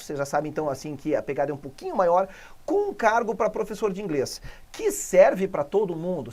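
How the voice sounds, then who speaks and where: A man from Brazil teaching English for exams in an energetic, chatty video lesson, explaining step by step with emphasis. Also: high voice. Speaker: English teacher for exam prep.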